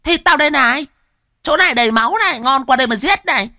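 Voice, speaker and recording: A man voicing a spiteful middle-aged woman market seller, shrill and taunting. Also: lively intonation, quick pace, bright, forceful tone, no room sound, clean studio sound, full character voice.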